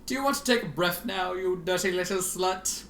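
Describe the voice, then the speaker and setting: A man's voice: sits high, vocal fry, fairly bright tone, pitched above the performer's own voice. Man voicing a cruel, theatrical sorceress pony, roomy sound. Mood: mocking. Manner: taunting, drawn-out, theatrical. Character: cruel mocking female pony sorceress, gleefully sadistic. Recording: roomy, faintly noisy home recording.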